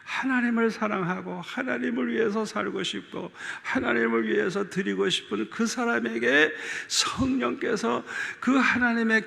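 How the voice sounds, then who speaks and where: A male pastor delivers a sermon in a large church, his high voice full of gravel and fry. He tells his story with feeling, repeats himself for effect and calls out to the people in front of him. The tone is bright and edged, and a long reverb from the hall trails behind every phrase. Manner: emotional storytelling with many repetitions; calls out to the congregation.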